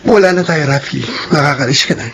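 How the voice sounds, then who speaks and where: A man playing a flamboyant, sharp-tongued gay man in a radio drama, with a theatrical, campy delivery. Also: fairly high pitch, quick pace, a little hiss or hum. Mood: hurt, cold. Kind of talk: radio drama acting in Filipino soap.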